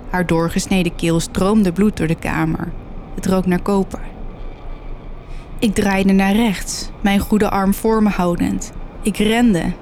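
Female horror narrator, low and mellow, steady storytelling. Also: slight background noise.

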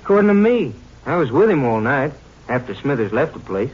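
A man's voice: mid-range voice, big pitch swings, a little fast, a little mellow, slightly rough. An actor playing an evasive, crooked small-town lawman with a folksy, offhand, clipped manner, in 1950s radio drama style. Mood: defensive. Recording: dull, noisy vintage 1950s radio recording.

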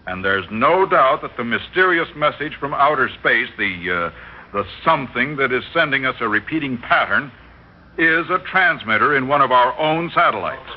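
An actor playing a scientist who briefs the press in a halting way in a vintage radio drama. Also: male voice, mid-range voice, animated, natural voice. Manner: halting, with fillers. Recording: dull old radio recording.

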